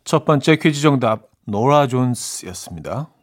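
A man's voice: mid-range voice, animated, normal speed. A man hosting a radio quiz show, reading scripted lines in a playful, announcer-like way.

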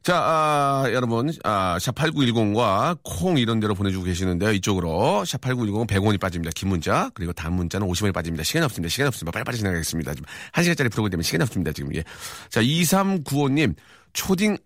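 A middle-aged man hosting a live radio show, reading listener texts with quick, teasing banter and lots of fillers. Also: lowish voice, big pitch swings, no echo, studio quality. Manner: fast, joking, teasing banter with frequent fillers. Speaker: radio host. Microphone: studio microphone.

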